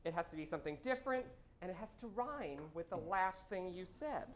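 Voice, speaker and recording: A man's voice: high-pitched, animated, fairly quick, a little hiss or hum. A man hosting a live improv comedy show on a small theater stage, chatty and upbeat, with frequent filler words.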